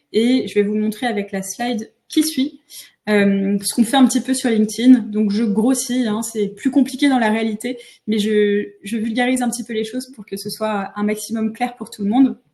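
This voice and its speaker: A woman's fairly high, somewhat breathy voice with a dark, mellow tone and fairly even intonation. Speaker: head of sales presenting software demo. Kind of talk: webinar product demo. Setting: online live webinar. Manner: fast.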